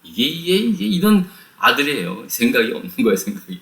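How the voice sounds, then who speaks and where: Brief: male Bible teacher, animated storyteller, bright forceful tone, rhetorical questions. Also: mid-range voice, fairly quick, vocal fry. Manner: addresses listeners directly, often laughs. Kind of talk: lively Bible study teaching.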